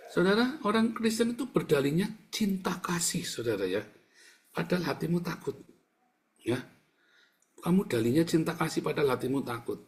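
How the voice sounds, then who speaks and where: A man preaching a fiery sermon, addressing listeners directly and bluntly. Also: medium pitch. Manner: forceful preaching, keeps addressing listeners as brothers. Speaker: pastor.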